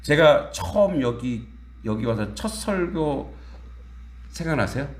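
A male pastor preaches in a church, his voice slightly high and swinging widely in pitch as he chats with the congregation and acts out little exchanges. The sound rings with the echo of a church hall. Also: takes it slowly. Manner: lively, conversational preaching with acted quotes and laughs. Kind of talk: sermon. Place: church sanctuary.

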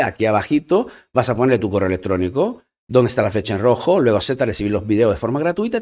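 A man whose first language is Italian, teaching as an online language tutor and enthusiastically pitching his courses, often repeating and restarting words.

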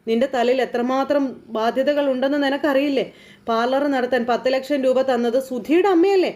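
A woman's voice: high-pitched, a little fast, darkish tone, lightly acted. A woman voicing a bossy young woman who scolds and urges her friend. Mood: scolding. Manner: scolding, insistent.

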